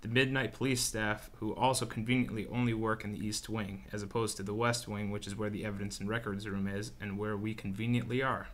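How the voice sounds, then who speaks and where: Dry, wary police officer, played by an actress. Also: female voice, extremely low pitch, level tone, brisk, few pauses. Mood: dry, wry. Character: wary, grudging night-shift police officer. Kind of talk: sci-fi radio drama acting.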